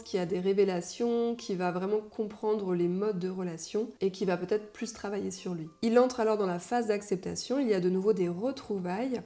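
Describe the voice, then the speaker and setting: A woman with a French accent reviewing an oracle card deck in a chatty, explanatory way, pausing with fillers while she reads and comments. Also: mid-range voice, mellow. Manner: chatty, thinks aloud with frequent "euh" fillers and lists. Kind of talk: casual explanatory review, reading passages aloud.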